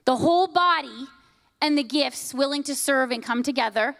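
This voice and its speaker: A woman in her forties preaching a sermon on a church stage into a handheld mic, emphatic, often dropping to hushed lines. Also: sits high, normal speed, creaky, dry recording, studio quality. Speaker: pastor. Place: church stage, large hall.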